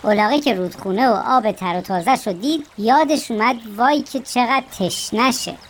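A woman reading a children's story aloud in an expressive storytelling manner. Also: fairly high pitch, slight background noise.

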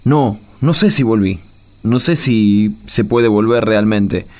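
A man's voice: lowish voice, takes it slowly, darkish tone. A man playing an anxious, self-doubting young disciple in a radio play, speaking Spanish with an Argentine accent in a pleading, self-deprecating way. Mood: dejected, self-doubting. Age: young adult. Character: tall thin young disciple, self-doubting, evasive fugitive. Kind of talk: radio play dialogue acting.

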